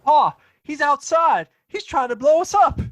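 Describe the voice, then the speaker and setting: A man playing an excitable, dim young lawman's son in a Western audio play. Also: extremely high pitch, a little slow, full character voice. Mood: alarmed. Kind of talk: Western audio drama acting.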